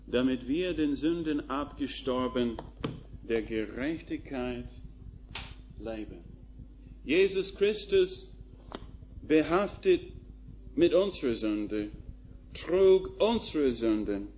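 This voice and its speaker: Male preacher, slightly high voice, very slow, emphatic delivery; dull lo-fi recording with faint hiss. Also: a little mellow. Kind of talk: sermon.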